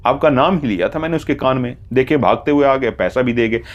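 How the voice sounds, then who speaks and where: A man's voice: medium pitch, expressive, fairly quick, highs cut off, pitched above the performer's own voice, lightly acted. A man voicing a sly, mischievous male jinn spirit who boasts and begs in a raised voice for a storytelling horror tale. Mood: boastful. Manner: boastful, pleading when beaten.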